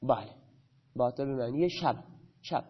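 A man's voice: mid-range voice, breathy edge, highs cut off. A man teaching grammar in a lecture, who asks his students questions and then answers them himself.

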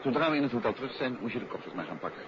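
Casting: man to play unruffled radio-play detective, emphatic and expressive, assured husband type; dull, hissy 1950s sound. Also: mid-range voice, close to an everyday voice. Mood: teasing, assured. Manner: confident, emphatic, measured. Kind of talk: 1950s Dutch radio drama acting. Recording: muffled, noisy 1950s radio recording.

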